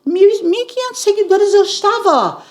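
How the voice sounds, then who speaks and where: A middle-aged woman from Brazil, a podcast guest telling her testimony with lively acted-out voices and frequent laughter. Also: very high voice, a little fast. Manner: lively, acts out quoted voices, laughs often. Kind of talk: animated testimony storytelling.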